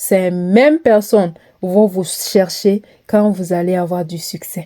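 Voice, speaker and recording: The speaker talks at a very slow pace, with fairly even intonation. The tone is dark and mellow. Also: woman. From Mali. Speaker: podcast host. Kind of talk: motivational monologue.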